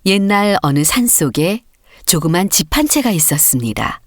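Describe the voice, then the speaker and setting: A woman's voice: lowish voice, sing-song, moderate pace, no room sound, studio quality. A woman narrating a children's story as a scripted audiobook reading.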